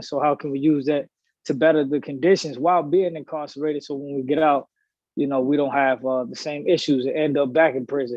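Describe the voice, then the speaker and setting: A normal speaking voice moves at a fairly quick pace. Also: man. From US Midwest. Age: young. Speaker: former prisoner, community activist. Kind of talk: panel discussion.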